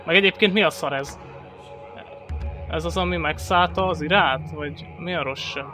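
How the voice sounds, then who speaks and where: A man commentating his horror game playthrough, excitable, swearing often and yelling when startled. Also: on the high side, music in the background. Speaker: gameplay commentator. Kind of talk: horror let's play commentary.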